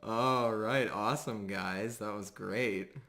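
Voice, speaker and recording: A man narrating a live tabletop game as game master, casual and pausing often as he goes. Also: on the low side, bright, forceful tone.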